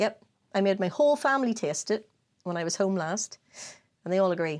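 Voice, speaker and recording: Here a woman with an Irish accent speaks at a medium pitch. Her pace is fairly quick. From Ireland. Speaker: podcast co-host. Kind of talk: casual chat. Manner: animated.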